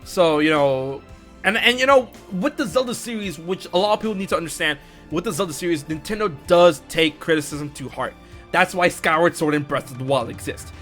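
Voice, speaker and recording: This is an animated man chatting about games as a host. His bright, somewhat high voice keeps restarting and repeating itself whenever he gets worked up. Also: fairly quick, soft background music. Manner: excitable, restarts and repeats words when heated. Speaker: podcast host. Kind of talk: casual gaming chat.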